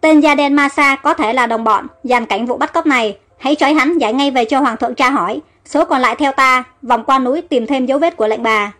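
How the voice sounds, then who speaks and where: A woman voicing a gruff male army captain who barks orders. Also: high voice, a little fast, hardly any pauses, fairly bright tone, soft background music. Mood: alarmed. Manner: barking orders.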